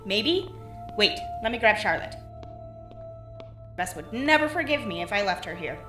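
A woman's voice: medium pitch, very animated, normal speed, natural voice. An actress playing a resourceful young woman trapped on a station, talking in a wry, practical way in an audio drama. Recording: roomy echo with faint music.

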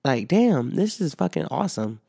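A man's voice: on the high side, sing-song, moderate pace, gravelly, dark tone, breathy edge, no room sound, clean studio sound. A man hosting his own podcast in a loose, rambling chat full of fillers and swearing, his voice not fully back after being sick. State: voice not fully recovered from illness. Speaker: podcast host. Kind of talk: casual solo podcast chat.

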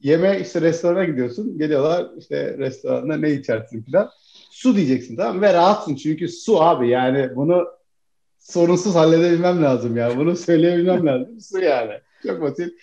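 A man's voice: a little high, lively intonation, a little fast, creaky, mellow. A man from Turkey chatting casually with friends, laughing often and calling them "abi". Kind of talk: casual chat. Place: living in the United States. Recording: dull roomy home recording.

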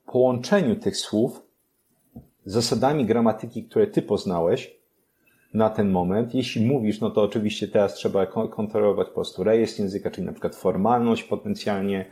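A young man, a podcast guest, explaining learning methods step by step, pausing on fillers and restarting his phrases. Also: lowish voice, mellow.

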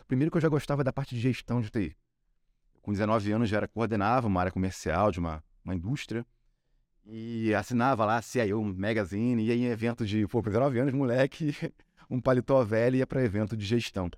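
A man's voice: medium pitch, a little fast, no room sound, studio quality. A man with a Carioca accent from Rio de Janeiro, a sales executive telling his career story as a podcast guest in a chatty way, often tagging on questions. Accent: Carioca Brazilian Portuguese. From Rio de Janeiro, Brazil. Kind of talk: casual podcast interview.

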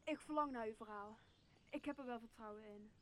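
Woman playing high-voiced astonished traveller. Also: fairly quick, fairly bright tone, a little hiss or hum, close to an everyday voice. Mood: trusting. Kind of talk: stage-like radio drama acting.

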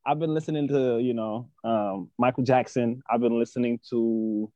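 A man from Senegal talks as a guest on a casual chat show, starting over often and stacking fillers as he feels for the right words. His voice sits at an everyday middle pitch. The sound is a little dull and muffled, and the room is very dry. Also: steady tone, mellow, no echo. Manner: halting, repeats words, many fillers. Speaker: guest artist.

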